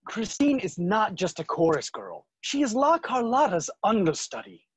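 A man's voice: high voice, very animated, moderate pace, breathy edge, no room sound, heavily acted. An actor in his thirties playing an earnest, lovestruck younger brother, romantic and defiant, in a staged play reading. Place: room at home, video call.

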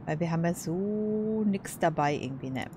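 A woman's voice: lowish voice, animated, moderate pace, background noise. A woman doing casual let's play commentary, colloquial and hesitant as she thinks aloud.

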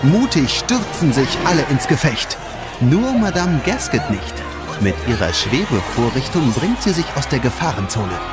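A man tells a children's story as scripted narration. His delivery is animated, with plenty of movement in the pitch. Loud music plays behind him. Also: normal speed. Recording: music under the voice. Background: prominent music.

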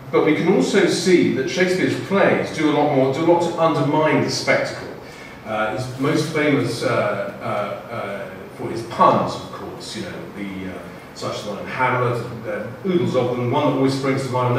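A man giving a halting panel talk with many fillers and restarts, in a lecture room before an audience. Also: medium pitch. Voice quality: loud voice. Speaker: panel speaker. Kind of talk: halting public talk from notes. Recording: echoey room, far mic, faint noise.

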